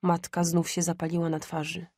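A woman narrating an audiobook of a classic story in a measured, expressive way. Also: lowish voice, dry recording, clean studio sound.

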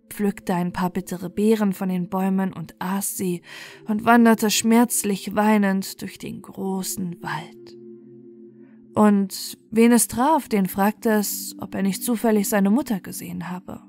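A woman storyteller reading a bedtime fairy tale in a measured, expressive way. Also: medium pitch, faint music behind.

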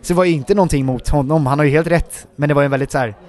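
Man, actor guest, casual interview, rambling, animated storytelling, lots of filler words. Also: fairly high pitch.

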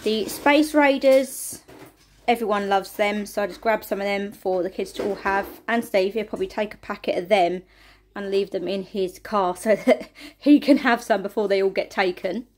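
A woman's voice: mid-range voice, moderate pace. A middle-aged woman chatting casually through a family food haul in her kitchen, rambling and counting items aloud. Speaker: family vlogger. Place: home kitchen, indoors.

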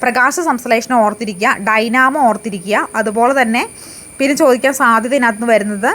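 A woman's voice: a little high, fairly quick, a bit bright. A woman teaching an exam prep lesson. She asks questions and answers them herself, repeats key facts and often hesitates and restarts.

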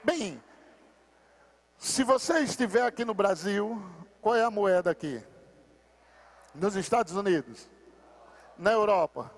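A man with a Brazilian accent preaching a fervent sermon as a pastor at a church service, shouting his exhortations to the congregation. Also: sits high, lively intonation, measured pace, pauses often. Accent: Brazilian Portuguese.

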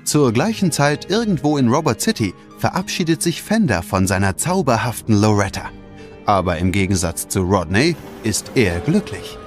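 A man's voice: fairly low pitch, big pitch swings, moderate pace. A man narrating a children's audio story in a dramatic, scripted storytelling style. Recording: loud background music.

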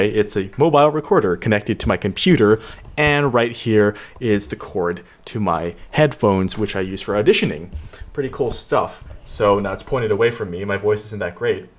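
Slightly low-voiced man, casual and playful tutorial host, chatting into a handheld recorder at his home desk. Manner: chatty, playful, talks while fiddling with gear. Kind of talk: casual tech demo. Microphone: handheld portable recorder.

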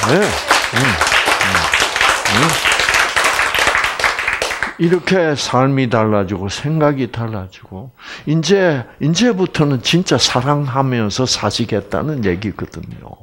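Animated older man giving a health lecture. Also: medium pitch. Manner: animated, swings between exclaiming and hushed asides. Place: large indoor lecture hall with stage.

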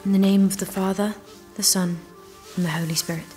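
A woman's voice: medium pitch, fairly even intonation, fairly quick, warm tone, natural voice. Woman acting devout defiant young peasant girl in audio drama, earnest n fervent, music playing under her. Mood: prayerful.

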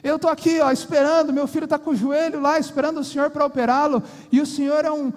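A man's voice: extremely high pitch, little pitch movement, fast talker, voice pushed up. A Brazilian man voicing a rude father who rants at a late doctor, in a reverberant hall. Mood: furious. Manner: ranting, accusing. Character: rude angry father at a hospital.

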